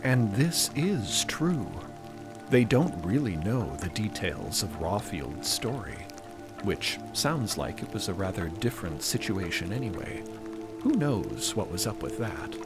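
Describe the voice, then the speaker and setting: A man's voice: lowish voice, sing-song, a little slow, over music. A man narrating a scripted audio drama as a dramatic storyteller.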